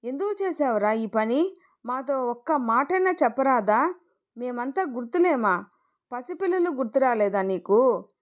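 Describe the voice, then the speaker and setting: A woman's voice: on the high side, close to an everyday voice. A woman voicing an older, protective mother-in-law who scolds her son in a storybook tale.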